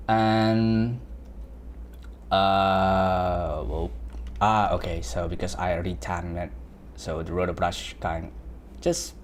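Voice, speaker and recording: This young Indonesian VFX artist speaks in a low voice with a steady tone, going slowly and pausing often as he teaches visual effects in a live screen-share software tutorial. His casual talk is full of fillers and self-corrections, and there's slight background noise.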